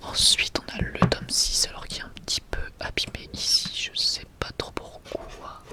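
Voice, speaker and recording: Hesitant and laid-back, an ASMR creator takes their time through a showcase, keeping to a quiet, breath-heavy, unvoiced whisper.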